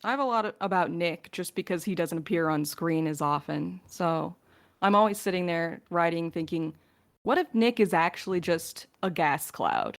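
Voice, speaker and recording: A woman's voice: fairly low pitch, lively intonation, normal speed. A woman in a casual podcast Q&A, talking playfully as one of the crew fielding questions.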